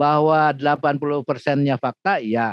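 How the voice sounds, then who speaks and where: The sound is dry and close, without any echo. A man speaks very slowly in it. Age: 60s. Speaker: writer and lecturer. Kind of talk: Q&A writing workshop.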